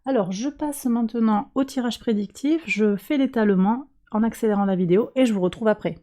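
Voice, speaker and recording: Female card reader and host, slightly congested from a cold, gentle and measured, often pausing to search for words. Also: on the high side. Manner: calm, slow, hesitant with many fillers. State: has a cold. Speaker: tarot and astrology reader, channel host. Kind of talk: weekly card reading for viewers.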